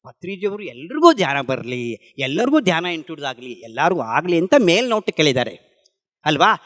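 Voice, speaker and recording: A man's voice: on the high side, big pitch swings, fairly quick, a bit bright, in a large hall. A middle-aged man giving an emphatic spiritual talk to a gathering, asking questions and answering them himself. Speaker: meditation practitioner sharing testimony.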